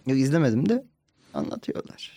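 A man's voice: mid-range voice, huge pitch swings, brisk, gravelly, warm tone, dry recording. A man guest on a comedy podcast, joking drily and acting out little quotes. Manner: dry, joking asides, acts out quotes. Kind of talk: casual comedy podcast chat.

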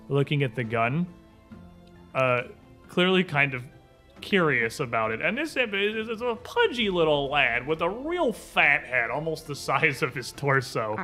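A man's voice: on the high side, normal speed, soft background music. A man narrating a tabletop game as game master, describing scenes informally and off the cuff. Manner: informal, descriptive, animated asides.

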